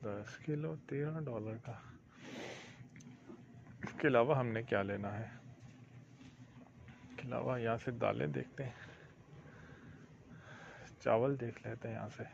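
A man's voice: mid-range voice, slow, creaky, long pauses, dull audio, a little hiss or hum. A man filming as he walks through a grocery store, explaining prices, costs and profit step by step in a casual way. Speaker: vlogger touring a grocery store. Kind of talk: casual walk-through narration. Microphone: handheld phone camera.

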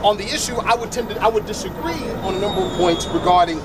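A man's voice: high-pitched, expressive. Lecturing man debating on a busy street. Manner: measured, lecturing, repeats phrases. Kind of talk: outdoor public debate. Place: city sidewalk outdoors. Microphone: handheld mic. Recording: noisy outdoor street recording. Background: crowd and traffic noise.

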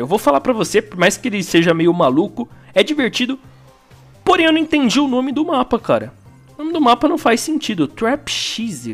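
A young man with a Brazilian accent commentates his own gameplay, bursting into exclamations and slang. His pitch leaps up and down constantly, and faint game music plays underneath. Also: fairly bright tone. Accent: Brazilian Portuguese. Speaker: gaming YouTuber.

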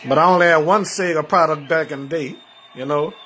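Man, fairly high voice, rambling livestream chat, repeats himself, faint background noise. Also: fairly quick. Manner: rambling, repeats words, trails off softly. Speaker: livestream host. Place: home, indoors.

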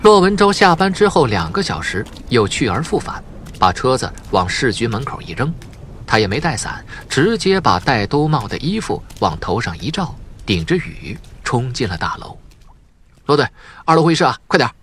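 A man's voice: medium pitch, sing-song, moderate pace, a bit bright, slight background noise. A man reading a novel aloud as an audiobook narrator, in scripted dramatic storytelling.

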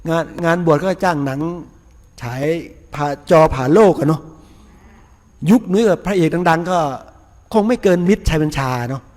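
A man's voice: fairly high pitch, moderate pace, a little mellow, in a large hall. A man, a Buddhist monk, giving a casual, folksy sermon with rhetorical questions and chuckles. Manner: folksy, chatty, with frequent laughs and rhetorical questions. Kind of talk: casual sermon before a meal. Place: temple hall.

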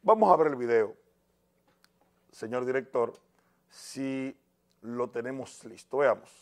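Dominican male news commentator, mid-pitched, emphatic and indignant. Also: expressive, takes it slowly. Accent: Dominican Spanish. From Dominican Republic.

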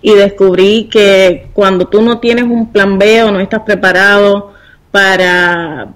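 A woman's voice: mid-range voice, fairly even intonation, slow pace. Puerto Rican woman in her forties. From Puerto Rico. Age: 40s. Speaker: guest, university professor and business consultant. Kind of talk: podcast interview conversation.

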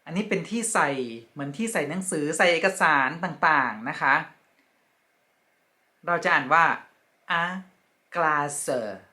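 Female language teacher, patient and polite, slow drilled repetition, bright tone. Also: sits low, sing-song. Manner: slow, careful repetition of each word; polite, ends phrases with soft particles. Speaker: French teacher. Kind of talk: vocabulary lesson.

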